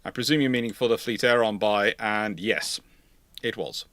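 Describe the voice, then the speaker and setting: A man's voice: on the low side, normal speed, a bit bright, dry recording. A man answering questions on a live history stream, repeating and restating himself emphatically as he explains. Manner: hesitant repetitions, emphatic restating. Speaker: host of a naval history livestream, consultant.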